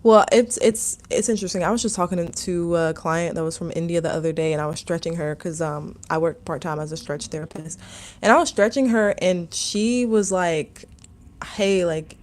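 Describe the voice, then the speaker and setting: A young woman speaks in a slightly low voice, chatting loosely with her livestream viewers. She rambles and fills her speech with "like" and "um" as she works through their comments. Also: darkish tone. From Maryland, USA. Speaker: livestream host, meditation teacher. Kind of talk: casual livestream chat answering comments.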